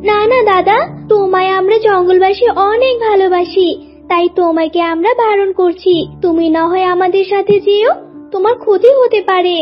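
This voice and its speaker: A woman voicing a small, insistent cartoon animal with a squeaky, childlike delivery. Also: moderate pace. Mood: worried, pleading. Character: small animals: worried mouse, brazen scolding crow. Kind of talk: cartoon voice acting. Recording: dull lo-fi audio, music behind.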